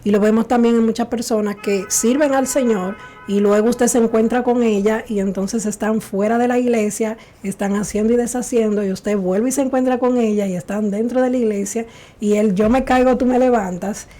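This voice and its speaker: Mellow-voiced woman co-hosting Christian radio. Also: fairly high pitch, fairly even intonation, soft background music. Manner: measured, affirming with frequent amens. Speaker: radio show co-host.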